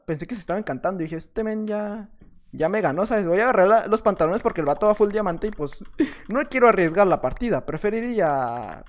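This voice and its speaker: A young man with a Mexican accent, commenting on his own gameplay in an excitable, chatty way and trash-talking opponents. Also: high voice, slight background noise. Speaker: gaming YouTuber.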